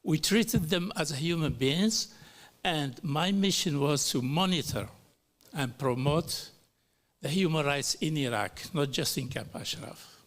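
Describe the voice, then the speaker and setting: A middle-aged man from Algeria giving a formal speech as a panel speaker at a human rights hearing, slow and deliberate, with pauses and fillers. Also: fairly high pitch, a bit bright.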